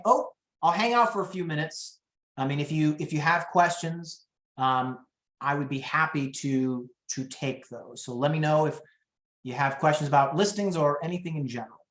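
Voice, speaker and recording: Storytelling man teaching in an echoey room. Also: a little high. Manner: lively storyteller, acts out quotes. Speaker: real estate trainer. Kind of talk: training webinar.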